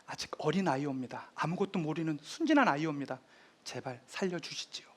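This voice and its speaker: A man voicing a gentle young king who pleads in a low, hushed voice. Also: lively intonation, a little fast. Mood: pleading.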